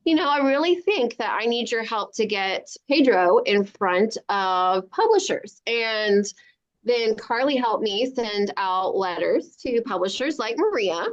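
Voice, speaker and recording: A woman's voice: on the high side, animated, measured pace. Woman children's author, slightly muffled call. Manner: encouraging, speaks simply to children. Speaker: children's book author, guest. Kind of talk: chatting to young children on a live online event.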